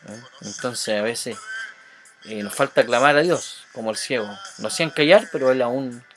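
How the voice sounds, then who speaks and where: A man's voice: mid-range voice, moderate pace, background noise. A man teaching a Bible lesson, reading scripture and explaining it earnestly, often checking in with listeners by asking "mm?". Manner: earnest, asks listeners rhetorical questions with repeated "mm?"; calls out quoted cries with raised voice when reading.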